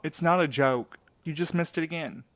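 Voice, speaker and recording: A man's voice: a little high, normal speed, fairly bright tone, a little hiss or hum, natural voice, rough recording. Guy acting as a wary sarcastic delivery guy, audio drama, wry and casual, night bugs in the background. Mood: uneasy, stubborn. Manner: wry, sardonic, informal.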